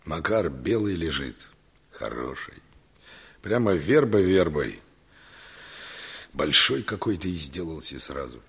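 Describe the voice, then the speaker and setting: Grave village man, husky, extremely deep, lively pitch, stern advice. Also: takes it slowly, long pauses, full character voice. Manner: grave, instructive. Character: grave village man bringing hard news. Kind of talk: archival Soviet radio drama.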